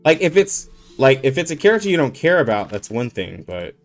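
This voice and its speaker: Animated slangy gaming streamer man. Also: medium pitch, a little fast, soft background music. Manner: animated, slangy, laughing often, many "like" fillers. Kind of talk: casual livestream chat.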